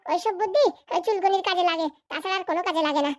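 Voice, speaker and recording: A woman voicing a sharp-tongued village wife and mother in a comedy cartoon, needling sarcastically. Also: very high voice, racing, no room sound. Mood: nagging, mocking.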